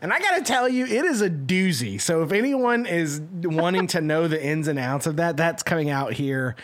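A man co-hosting a podcast in casual discussion, talking in an animated, argumentative way and often tagging points with questions. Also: fairly high pitch, normal speed. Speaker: podcast co-host.

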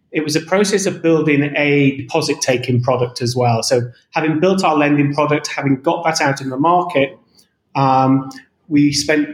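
Man in an echoey room explaining. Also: medium pitch. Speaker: bank executive guest. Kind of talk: recorded interview answers. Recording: roomy echo.

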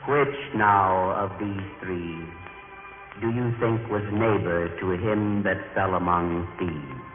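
An actor playing a solemn, authoritative religious teacher with deliberate delivery, in an old radio drama. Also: male voice, low-pitched, narrow, tinny audio, music in the background. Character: solemn, authoritative male Master teaching a parable. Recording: echoing hall, thin vintage radio sound.

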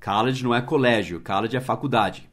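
A man hosting a casual podcast lesson, patiently explaining and spelling words out letter by letter. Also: medium pitch. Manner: slows down to model English phrases, adds tag questions. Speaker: English teacher and podcast host.

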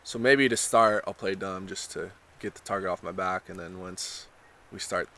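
Laid-back young surfer guy, bright voice. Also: low voice, steady tone, normal speed. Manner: laid-back surfer talk, lots of "you know" and "like". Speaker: contestant being interviewed. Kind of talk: casual interview.

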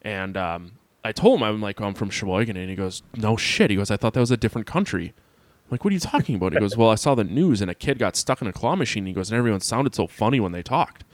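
Low-voiced joking man with a Wisconsin accent. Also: animated, quick pace, no room sound. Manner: crude, joking storyteller. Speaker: podcast co-host. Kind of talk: casual podcast chat.

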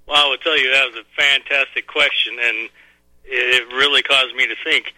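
A man's voice: mid-range voice, fairly even intonation, normal speed, pushed and bright, no echo, low-quality recording. A man in his forties calling in to a radio talk show, earnest and a little rambling. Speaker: caller. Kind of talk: phone-in call to a radio show.

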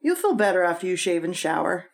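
An actress playing an attentive, concerned wife in an old-time radio drama, polite and solicitous. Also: female voice, fairly low pitch, sing-song, quick pace, gravelly. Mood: gently concerned.

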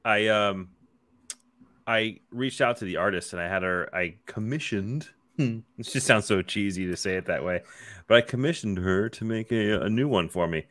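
This man has a somewhat low voice and talks in a relaxed, offhand way among friends, swearing now and then. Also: moderate pace. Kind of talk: casual group chat.

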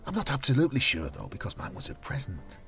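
A man voicing a kindly, chatty white-haired older mother in a story, gentle and sweet. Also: mid-range voice, huge pitch swings, quick pace, vocal fry, soft background music, pitched above the performer's own voice, heavily acted. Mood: confiding.

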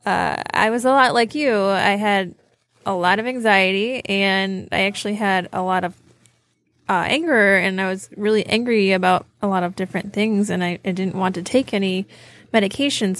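A woman's voice: mid-range voice, normal speed, dry recording. Woman telling a story in casual chat. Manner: animated storyteller, laughs often. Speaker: podcast co-host.

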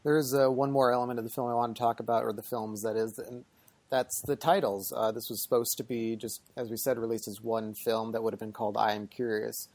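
A man's voice: medium pitch, flat delivery, darkish tone, dry recording. A man hosting a podcast who talks casually about a film and passes the talk to his guests. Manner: quick, easygoing, leads the talk and hands over to guests. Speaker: podcast host.

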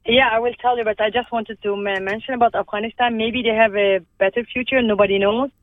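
Her tone is steady and a little high as she talks by phone as a guest in a conversational interview. Originally from Lebanon with Armenian as her mother tongue, she comes across as earnest, halting and prone to restarts.

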